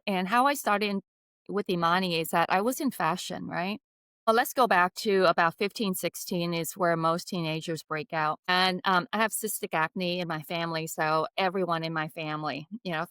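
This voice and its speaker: A woman in her fifties from Vietnam tells her story as a podcast guest, lively and full of casual fillers. Her voice is smooth and a little low. The room sound is dry and close. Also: dry recording. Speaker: guest, skincare founder.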